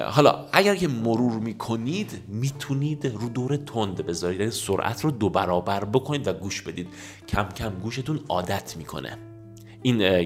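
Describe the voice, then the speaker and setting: A man teaching an English lesson. He reads the English phrases slowly, then translates them in quick, soft-spoken asides. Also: lowish voice. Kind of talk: language lesson.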